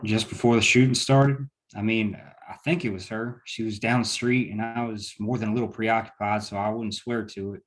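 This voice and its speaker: Man acting low-voiced, blunt lawman. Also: steady tone, normal speed, hardly any pauses, lightly acted, poor audio. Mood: wary. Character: Sid, blunt profane male small-town lawman. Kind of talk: scripted drama table read.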